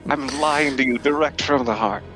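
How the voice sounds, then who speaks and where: A man's voice: mid-range voice, moderate pace. A man being interviewed as a podcast guest, talking casually in a polite, playful, tongue-in-cheek way.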